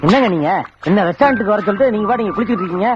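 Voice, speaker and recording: Casting: a cheeky lovestruck young man, high voice, rattling off lines fast, dull old film audio. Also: expressive, over loud music. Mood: pleading. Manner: fast, pleading, comic boasting. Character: brash, cheeky young man wooing a woman. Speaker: suitor. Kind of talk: Tamil film dialogue.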